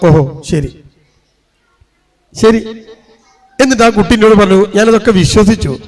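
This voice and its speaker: A man's voice: high voice, lively intonation, slow pace. A man giving an Islamic sermon, asking the audience rhetorical questions and acting out the people in his stories. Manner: rhetorical questions to the audience, acts out quoted voices. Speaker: Islamic preacher.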